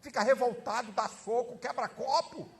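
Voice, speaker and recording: A man preaching a sermon as pastor, fiery and emphatic, often shouting. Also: very high voice, moderate pace, creaky.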